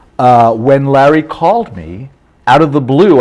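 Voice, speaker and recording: A man with a Rhode Island accent against a quiet background. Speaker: author. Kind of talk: interview. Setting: studio.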